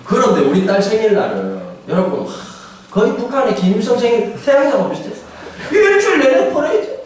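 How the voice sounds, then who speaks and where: A pastor in his forties giving a humorous, animated sermon, now and then acting out voices and shouting for effect. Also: extremely high pitch, a little fast, a little hiss or hum. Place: church sanctuary. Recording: echoey church hall, distant mic, faint ambience.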